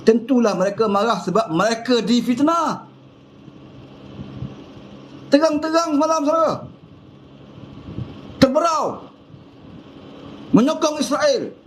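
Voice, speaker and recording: A man's voice: very high voice, a little slow, pauses often, a little hiss or hum. A man with a Malaysian Malay accent giving a fiery political monologue full of scolding rhetorical questions. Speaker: political commentator.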